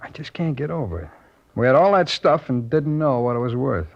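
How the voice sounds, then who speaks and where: An actor playing a resentful, double-crossed jewel thief with a slangy, gruff manner in a radio police drama. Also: male voice, medium pitch, very animated, brisk. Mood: bitter, resentful. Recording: dull vintage radio recording.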